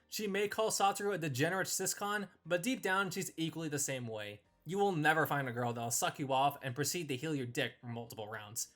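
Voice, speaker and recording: A man's voice: fairly high pitch, fairly bright tone. A man hosting a casual ranked-list review, giving opinionated commentary on characters.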